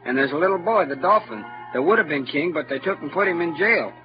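Here the man playing Huck sounds natural, on the high side, quick, and lively in intonation. The character is a clever frontier boy who boasts in a rural Southern dialect and lectures with bright, know-it-all showiness. It's an old-time radio drama heard through a dull lo-fi recording with music.

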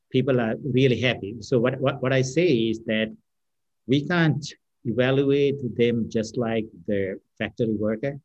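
Low-voiced non-native English-speaking man, hesitant. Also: a little mellow, no echo, highs cut off. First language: non-English first language. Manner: hesitant, many fillers and restarts. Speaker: company founder and CEO, guest. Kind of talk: unscripted podcast interview answer.

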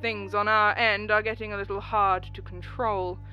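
A woman game master voicing a polite announcer heard through old speakers, with a thin, tinny sound and no bass. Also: little pitch movement, normal speed, bright, forceful tone, faint music behind. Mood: apologetic, formal. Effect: thin tinny old-timey speaker sound, no bass. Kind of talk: tabletop game narration.

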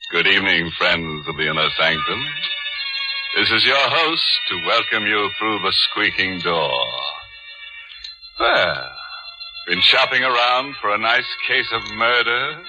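A man's voice: on the low side, lively intonation, a little slow, loud music behind the voice. A man playing a ghoulish, gleeful vintage horror narrator, tongue-in-cheek, in 1940s radio style. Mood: macabre glee. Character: ghoulish, gleeful punning horror show host. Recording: dull 1940s radio recording.

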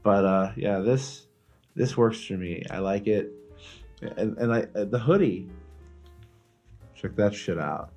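A man co-hosting a comedy podcast in casual chat, riffing on absurd jokes in a halting way. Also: on the low side, lively intonation, darkish tone, faint music behind. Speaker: podcast co-host. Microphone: close mic with headphones.

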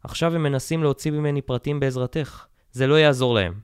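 A man doing a calm, brave prisoner husband. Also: mid-range voice, smooth, dry recording, clean studio sound, close to an everyday voice. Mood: earnest. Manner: calm, soothing, earnest.

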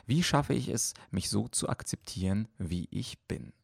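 A man's voice: lowish voice, expressive, a little slow, vocal fry, husky, dry recording, studio quality. A man speaking as a coach, explaining at length with many fillers on a podcast answering listener questions.

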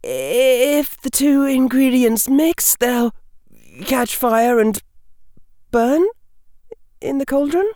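An anxious young woman student speaks high and breathless, stumbling over her words, as a male reader puts her on. Her pitch leaps well above the narration. The sound is close and dry. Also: animated, extremely slow, pauses often, darkish tone, no echo, full character voice. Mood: nervous.

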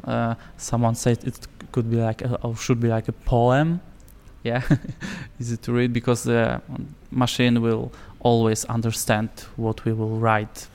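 A man's voice: mid-range voice, monotone, a little slow, darkish tone, smooth, big-room sound. A man whose first language is Polish, hosting an interview and speaking hesitantly with many fillers. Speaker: podcast host. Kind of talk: interview questions.

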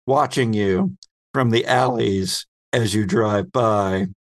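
A man hosting and narrating a tabletop game as game master, with deliberate, descriptive storytelling. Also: on the low side.

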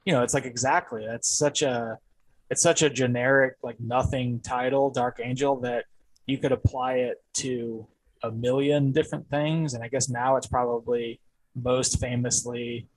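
A man's voice: mid-range voice, fairly even intonation, moderate pace, dry recording, poor audio. A man co-hosting a casual movie podcast, talking in a loose, rambling way with frequent fillers and chuckles. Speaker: podcast co-host. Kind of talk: casual chat.

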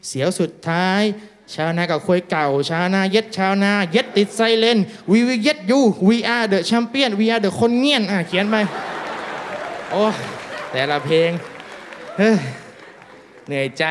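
A man's voice: sits high, a little hiss or hum. A man telling a crude, self-mocking stand-up story, acting out the dialogue. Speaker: stand-up comedian. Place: small live venue with audience.

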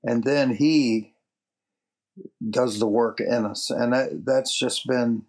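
A man gives a personal testimony about his faith, his voice carrying a gravelly edge. He speaks earnestly and often stops to restart a phrase. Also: medium pitch, steady tone, slow, darkish tone. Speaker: church member giving a testimony.

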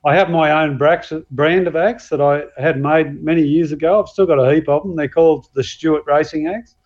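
An Australian man, a guest axe and knife maker, talking casually and modestly with many pauses and fillers. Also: a little high, darkish tone, muffled recording. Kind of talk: casual podcast chat.

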